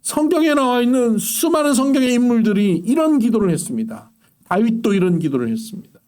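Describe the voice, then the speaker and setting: A man preaching a sermon as pastor, acting out anguished complaints to God with sharp rises and falls. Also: sing-song, a little fast. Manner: impassioned, acting out complaints in prayer with big pitch swings.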